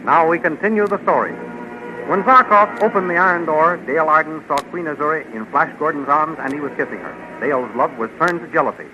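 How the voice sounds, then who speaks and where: A man's voice: on the high side, brisk. Formal 1930s radio announcer, man. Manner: formal, declamatory. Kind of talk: scripted radio narration. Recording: dull lo-fi 1930s radio recording. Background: music.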